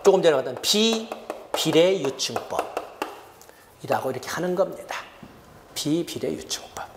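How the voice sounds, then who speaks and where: A man's voice: fairly high pitch, expressive, moderate pace, noisy background. A middle-aged man giving an exam-prep lecture, repeating key terms as he writes them on the board.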